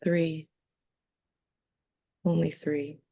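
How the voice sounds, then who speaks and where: A woman in a seance trance voices a calm alien collective, low and gravelly. The phrases are short, formal and solemn, delivered very slowly with long breaks, as a channeling medium does. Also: full character voice. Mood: solemn, detached. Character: collective of six calm extraterrestrial beings channeled through a medium.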